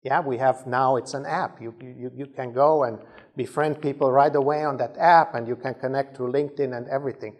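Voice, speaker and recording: A man's voice: mid-range voice, fairly even intonation, brisk, darkish tone. A man giving a conversational leadership talk to a Christian audience, often stumbling over and repeating words. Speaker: conference speaker.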